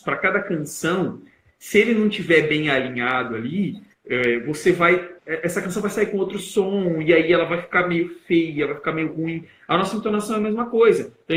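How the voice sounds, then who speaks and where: Young Brazilian man, public-speaking coach on a live stream, bright, punchy delivery with deliberate emphasis, roomy echo. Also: on the high side, lively intonation. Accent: Brazilian Portuguese. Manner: explanatory, plays with emphasis and loudness to demonstrate.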